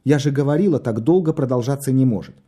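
A man's voice: medium pitch, fast talker, warm tone, natural voice. A man voicing an anxious, tearful young woman who talks in a fretful, pleading way.

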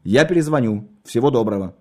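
A man voicing a deranged, aggressive and crude man with a slow, drawling delivery. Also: medium pitch, animated, lightly acted.

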